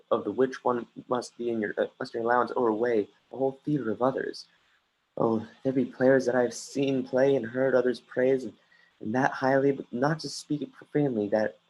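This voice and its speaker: An actor playing an earnest, brooding young prince in a Shakespeare stage reading, with a husky voice and halting delivery. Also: male voice, medium pitch, natural voice, poor audio. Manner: halting, restarts phrases mid-line. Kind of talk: dramatic reading of Shakespeare, often stumbling. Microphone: home computer mic on a livestream.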